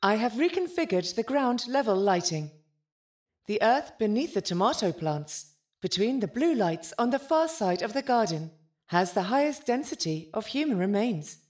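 A woman's voice: fairly high pitch, big pitch swings, moderate pace, a little mellow. A woman voicing a polite, literal-minded spaceship artificial intelligence in an audio drama, formal, precise and detached. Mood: helpful, flat.

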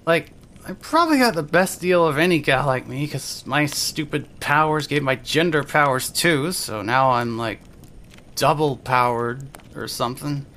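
A woman's voice: low voice, measured pace, a bit bright, slight background noise. An actress playing a self-loathing, tipsy, foul-mouthed young trans woman who rambles bitterly in an audio drama, with music behind her. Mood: rambling, tipsy. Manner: rambling, sweary, self-deprecating. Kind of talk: fandub audio drama, first-person monologue.

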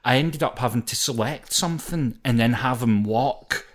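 A man with a Scottish accent, co-hosting a game podcast in relaxed, casual chat. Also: medium pitch, moderate pace. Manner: relaxed, uses local words like "wee". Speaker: podcast co-host.

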